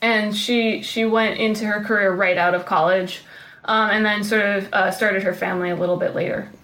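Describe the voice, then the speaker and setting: Over noticeable background noise, a woman speaks at a fairly quick pace in a medium pitch, with monotone, flat intonation and very even loudness. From US Pacific Northwest, Seattle. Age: 30s. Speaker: graduate student. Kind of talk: casual chat.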